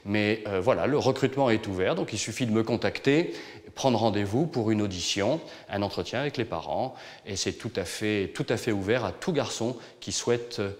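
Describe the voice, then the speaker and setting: A man, director of a boys' choir, answering interview questions in a measured, halting way, often repeating words. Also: lowish voice, long reverb tail.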